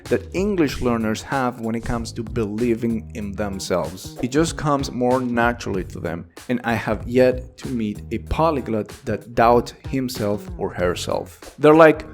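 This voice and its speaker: A man's voice: medium pitch, unhurried, hardly any pauses, faint music behind. Earnest man, native Spanish speaker, teaching. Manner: earnest, encouraging, animated delivery. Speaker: English teacher. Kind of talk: direct-to-camera English lesson.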